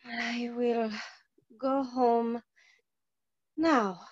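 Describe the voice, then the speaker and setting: An entranced opera diva, acted by a woman in a stage play. The voice is high, halting and extremely slow, submissive and bewildered, on dull audio. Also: fairly even intonation, no echo. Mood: dazed obedience. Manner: halting, trance-like repetition. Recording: dull, dry video-call audio.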